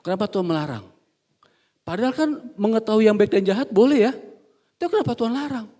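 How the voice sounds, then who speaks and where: A male pastor preaching a sermon in a church service, humorous and animated, quizzing the congregation and swinging from quiet asides to loud emphatic bursts. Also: high voice, fast.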